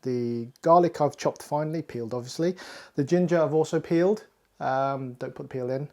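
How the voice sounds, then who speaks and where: A man's voice: fairly high pitch, normal speed, warm tone. Chatty man hosting a cooking show. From Hakka Chinese family. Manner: chatty and self-deprecating, talks through steps. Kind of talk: casual cooking tutorial.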